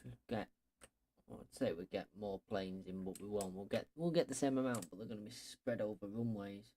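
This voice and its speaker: Mellow-voiced man casually commentating a game. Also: lowish voice, fairly even intonation, a little fast. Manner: thinks aloud in short, offhand remarks. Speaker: streamer playing an air traffic control game.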